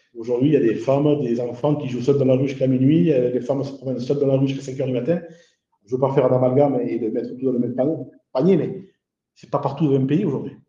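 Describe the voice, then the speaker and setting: A man with a southwestern French accent speaks at a very fast pace in a medium-pitched, somewhat breathy voice with fairly even intonation. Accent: southwestern French accent, noticeable. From southwestern France. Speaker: real estate investment advisor. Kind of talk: webinar Q&A.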